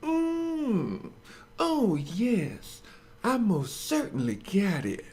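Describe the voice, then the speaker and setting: A man's voice: sits high, wildly swooping pitch, drawn-out words, darkish tone, pitched above the performer's own voice, exaggerated voice. A man voicing a hot-headed male buyer who turns sly and then screams and curses when he gets scammed.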